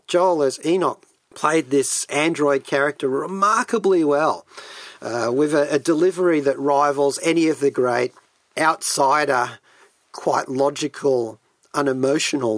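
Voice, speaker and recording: This solo radio host talks in a mid-range voice, with no room sound in the studio recording. His monologue is chatty, enthusiastic and geeky, rambling along with plenty of asides.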